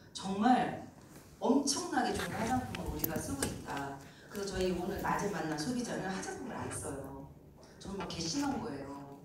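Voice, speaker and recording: A middle-aged woman giving a sales seminar, telling stories with animated acted-out dialogue and frequent laughter. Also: mid-range voice. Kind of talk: business presentation with anecdotes. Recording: echoey room, mic at a distance, faint noise.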